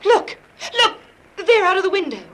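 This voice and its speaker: An actress playing a desperate young woman cornered by the police in a 1950s radio drama, with a shrill, overwrought delivery. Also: very animated, normal speed, fairly bright tone, a little hiss or hum, heavily acted. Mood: frantic.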